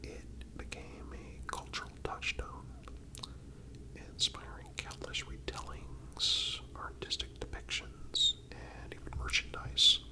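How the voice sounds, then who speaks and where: A narrator speaking entirely in a breathy whisper, reading a scripted story in ASMR style with deliberate, measured phrasing. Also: rough recording.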